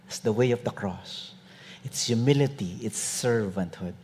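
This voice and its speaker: A male pastor preaching a sermon with humorous storytelling, often dropping to soft asides. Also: lowish voice, measured pace, husky.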